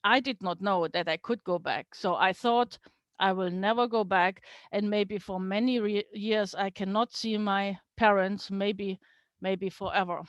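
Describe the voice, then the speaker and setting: A woman's voice: medium pitch, fairly even intonation, measured pace, dry recording. German-accented woman telling her story. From East Germany. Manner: earnest storytelling, occasional small slips in English. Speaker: guest speaker. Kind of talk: online business presentation.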